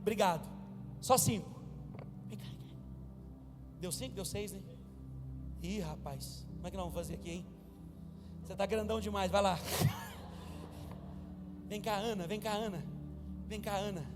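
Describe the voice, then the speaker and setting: A male pastor preaches with high, animated energy, calling on his congregation and often climbing to a shout. The sound is a reverberant church hall with clear music playing underneath. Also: moderate pace, long pauses. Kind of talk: sermon. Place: church sanctuary.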